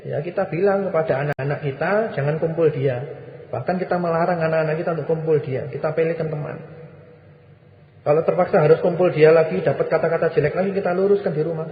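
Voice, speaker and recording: A male Islamic preacher answering listeners' questions in a firm, exhorting, repetitive manner. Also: fairly high pitch. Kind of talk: sermon Q&A. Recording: echoey hall, muffled lo-fi recording.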